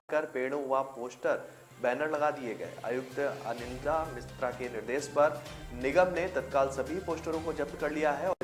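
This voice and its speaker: A man reading a scripted news bulletin as the anchor, with music behind him. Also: medium pitch.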